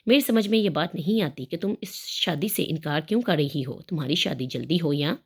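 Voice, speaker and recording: A middle-aged mother, read by a woman, lays down the rules in a low, husky voice. She stays composed and unbending. It is told as a spoken storybook. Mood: firm. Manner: firm, composed. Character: middle-aged mother, firm but gentle.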